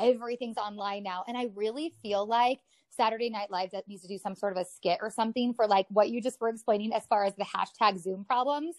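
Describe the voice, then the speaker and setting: A woman with an American accent talks at a very fast pace in a fairly high voice, her tone animated, her pitch varying in an ordinary way and her loudness swinging widely, all in a dry, close sound with no echo. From Colorado, US. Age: 30s. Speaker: podcast guest, home business owner. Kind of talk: casual chat.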